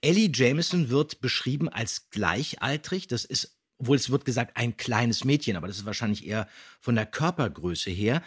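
A man talks casually on a podcast in a mid-range voice. It has a husky grain. He is emphatic and often repeats a phrase to underline it. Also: medium pitch, animated, moderate pace, hardly any pauses. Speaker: podcast guest and voice actor.

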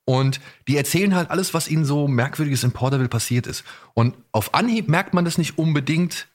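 Fairly high-pitched and a little fast, the host talks eagerly about audio dramas in a relaxed podcast chat. He wanders from point to point and keeps fixing what he's just said.

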